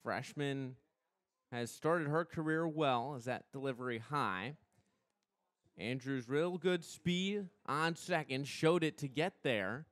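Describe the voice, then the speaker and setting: A young American man doing live radio play-by-play commentary of a softball game as the announcer. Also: mid-range voice, no room sound. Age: young adult. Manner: measured between plays, excited on big plays.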